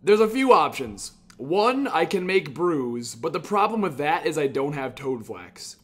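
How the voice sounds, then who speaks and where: A man talks over his own gameplay in a loose, chatty way, his voice sitting a little high for a man. He stays upbeat and throws in casual swearing as he goes. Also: big pitch swings, unhurried. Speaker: gaming YouTuber.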